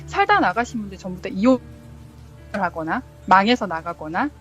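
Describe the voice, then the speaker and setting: A woman's voice: mid-range voice, very animated, a little fast. A woman guest telling a true ghost story from her childhood in a chatty way, full of fillers, acting out the lines she quotes. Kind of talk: casual storytelling interview. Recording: dull lo-fi sound with faint music.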